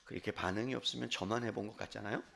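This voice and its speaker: A man preaching a sermon as pastor, asking the congregation questions and dropping his voice low for quoted inner thoughts. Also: fairly even intonation, racing, gravelly, fairly bright tone. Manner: asks the congregation direct questions.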